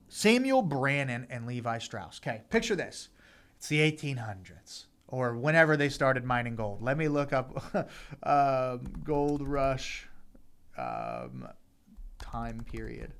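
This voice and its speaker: A man's voice: medium pitch, a bit bright, clean tone. A man hosting a finance podcast, explaining in a conversational way, repeating points for emphasis, with frequent fillers. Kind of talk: casual explainer talk.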